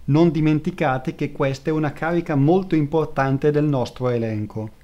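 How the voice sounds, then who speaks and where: A man's voice: a little high, moderate pace, mellow, lo-fi sound, close to an everyday voice. A man reading aloud, voicing a haughty, imperious aristocratic grand duchess in a raised voice. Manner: imperious, skeptical.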